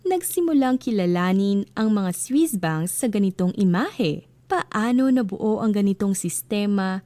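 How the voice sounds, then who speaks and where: A woman's voice: mid-range voice, lively intonation, unhurried, mellow, no echo. A woman with a Filipino accent reading scripted explainer narration as a voice-over, in a conversational way that poses questions to the listener.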